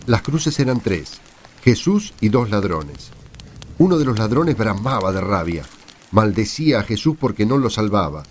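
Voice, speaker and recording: A man's voice: lowish voice, very animated, normal speed, a little hiss or hum. A man with an Argentine accent playing an earnest, assured apostle testifying to friends in a radio play. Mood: solemn, earnest. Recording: music under the voice.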